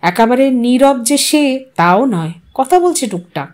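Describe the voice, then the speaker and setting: A woman's voice: high-pitched, expressive, measured pace, darkish tone. A woman reading a literary story as an audiobook narrator, in a dramatic storytelling style.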